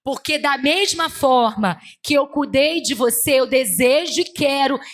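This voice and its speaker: A Brazilian woman preaching voices God as a solemn, fatherly figure, speaking in slow, measured declarations. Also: sits high, a bit bright. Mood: tender. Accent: Brazilian Portuguese.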